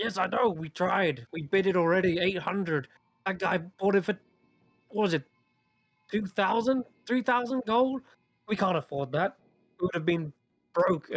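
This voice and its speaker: Putting on a gravelly character voice with a high pitch, a man speaks at a moderate pace with lively intonation and long, frequent pauses. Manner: grumbling, arguing.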